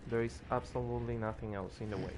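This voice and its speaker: A man's voice: mid-range voice, steady tone, quick pace, a little mellow, a little hiss or hum, poor audio. A tired man streaming a game, losing his voice and rambling as he plays, with faint music behind him. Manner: rambling, restarts when moved. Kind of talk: casual gameplay commentary.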